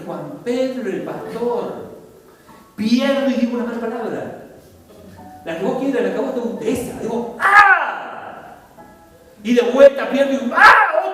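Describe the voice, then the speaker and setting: A man with a Rioplatense Spanish accent preaching a sermon as a pastor, animated, acting out little dialogues with big swings in his voice. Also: high voice. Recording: echoey hall, voice from far off, faint music.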